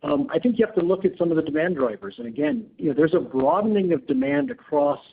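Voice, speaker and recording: A man speaking as a company executive, giving unscripted answers on an earnings call in a halting way, often repeating words. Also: on the high side, lively intonation, gravelly, husky, narrow, tinny audio. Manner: halting, hedged, word-repeating delivery. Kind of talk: unscripted answers to analyst questions. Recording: thin band-limited conference call line.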